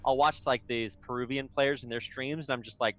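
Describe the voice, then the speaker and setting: A man's voice: mid-range voice, fairly even intonation, brisk, muffled recording. A man casting an esports match live, chatty and upbeat, with many casual fillers. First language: English, with Spanish as second language. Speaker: esports caster. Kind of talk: live game commentary.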